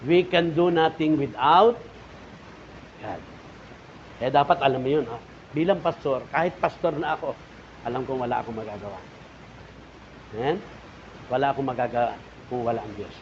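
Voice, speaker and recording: A man's voice: medium pitch, fairly quick, pauses often, darkish tone, dull audio, a little hiss or hum. A male pastor with a Filipino accent preaching a sermon in a church, building up emphasis and calling out to the congregation. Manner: preaching with rising and falling emphasis, repeated calls to the congregation.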